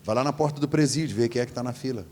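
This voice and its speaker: A man in his forties preaching a storytelling sermon as pastor, animated and acting out the voices in his story. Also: medium pitch, racing. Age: 40s. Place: large church hall. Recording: long hall reverb.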